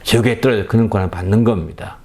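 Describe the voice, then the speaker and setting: A middle-aged male pastor giving a conversational sermon, often checking in with the congregation with a quick "eh?". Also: lowish voice, a little mellow.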